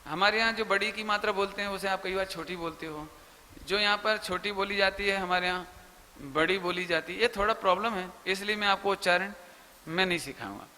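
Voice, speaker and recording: High-voiced man preaching in a hall. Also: fairly quick, pushed and bright. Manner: explains patiently, drawing out chanted syllables. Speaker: Jain preacher. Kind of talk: religious Q&A discourse.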